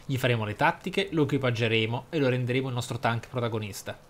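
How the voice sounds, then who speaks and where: A man's voice: mid-range voice, fast, a little hiss or hum. A man giving casual gameplay commentary in a theatrical way, with flowery wording and exclamations. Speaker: gaming video host. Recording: music behind the voice. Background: game music.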